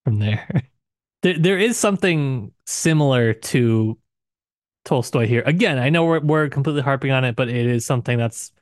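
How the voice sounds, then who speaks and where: A man's voice: medium pitch, animated, normal speed, no echo, studio quality. A man co-hosting a podcast, thinking aloud informally in a casual discussion of literature. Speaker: podcast co-host.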